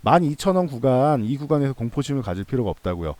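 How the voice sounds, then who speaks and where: A man's voice: medium pitch, big pitch swings, fast talker, a little mellow, no room sound. A man hosting a stock analysis channel, explaining things in a casual, conversational and reassuring way, repeating points for emphasis. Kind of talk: casual explanatory commentary to viewers.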